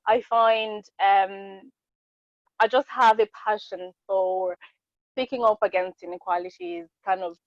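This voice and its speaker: A woman's voice: medium pitch, steady tone, a little slow, dry recording, dull audio. Earnest French-native woman, late twenties. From Congo. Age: late 20s. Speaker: podcast guest. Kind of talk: casual conversation.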